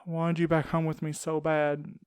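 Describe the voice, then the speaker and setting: An actor in an audio drama playing a tender, grieving man who speaks haltingly and pleads with his lover. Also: on the high side, monotone, darkish tone, clear, resonant tone, no room sound, close to an everyday voice. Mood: anguished regret.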